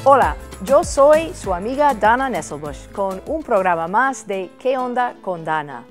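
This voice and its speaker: A woman's voice: medium pitch, very animated, a little slow, faint music behind. A woman in her fifties with an American accent, English her first language, hosting a chatty, playful TV interview show in a studio with a lapel mic. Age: 50s. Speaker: host. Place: indoor studio set, armchair.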